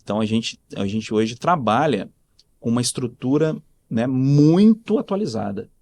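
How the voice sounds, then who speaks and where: A man's voice: mid-range voice, animated, normal speed, vocal fry, mellow. A man from southern Brazil with a faint mixed Brazilian accent, explaining conversationally as an interview guest and often adding short tags to seek agreement. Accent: Brazilian, faint mixed regional. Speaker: school director, interview guest.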